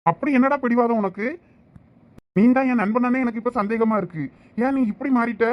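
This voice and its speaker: A man's voice: very high-pitched, a little fast, highs cut off. A man voicing a loyal, hot-tempered young male friend in a cartoon, with a Thoothukudi Tamil accent. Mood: urgent. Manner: scolding, pleading with his friend. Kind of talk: cartoon voice acting.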